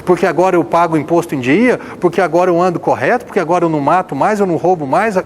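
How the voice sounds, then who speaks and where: A man preaching a sermon as pastor, firing rhetorical questions and swinging between loud emphasis and hushed passages. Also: a little high, very fast, slight background noise.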